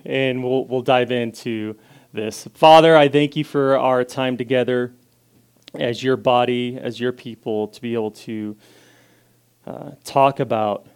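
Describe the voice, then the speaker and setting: Loud, casual man preaching. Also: medium pitch, a little slow, smooth. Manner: loud, casual and self-deprecating, reads scripture with rising emphasis, prays softly. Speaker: guest preacher. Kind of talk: informal sermon with scripture reading and prayer.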